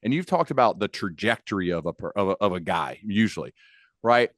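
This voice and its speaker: A man's voice: fairly low pitch, lively intonation, fairly quick, fairly bright tone, dry recording. Casual man hosting podcast, close dry sound. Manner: informal, anecdotal, acts out imagined quotes. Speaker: podcast host. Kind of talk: casual interview chat.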